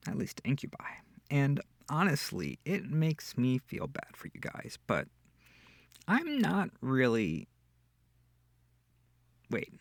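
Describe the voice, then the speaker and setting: A man playing a kind, comforting incubus demon in an intimate ASMR roleplay, speaking softly and tenderly with hesitant, breathy reassurance. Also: mid-range voice, huge pitch swings, slow, pauses often, no room sound, studio quality, full character voice. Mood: sympathetic, awkward. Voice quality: breathy, often near whispering. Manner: soft, tender, hesitant, soothing. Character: gentle, comforting, shy-sweet male incubus demon.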